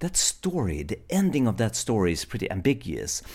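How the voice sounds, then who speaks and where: A very fast man with a Swedish accent, vocal fry, and very wide pitch swings. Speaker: podcast host. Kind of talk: scripted narration; interview.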